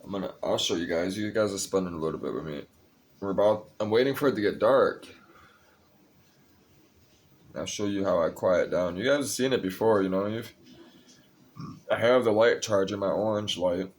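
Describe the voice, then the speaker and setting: A man's voice: lowish voice, moderate pace, pauses often. A young man talking casually and confessionally to his vlog audience, rambling, cursing freely and sounding tired. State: tired, a bit high. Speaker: vlogger. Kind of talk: casual personal vlog talk.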